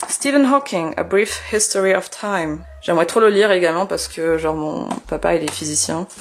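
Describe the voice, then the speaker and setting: A woman talks at a moderate pace with lively intonation. Noticeable background noise can be heard behind her. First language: Russian (speaking French). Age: 20s. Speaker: law student and video creator. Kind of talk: casual room tour vlog. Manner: casual, many hesitations.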